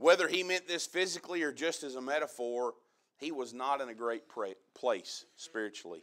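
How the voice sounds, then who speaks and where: Over a quiet background, a man with an American accent speaks at a moderate pace with fairly high pitch and lively intonation. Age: 30s. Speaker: preacher. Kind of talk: sermon. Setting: church. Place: church.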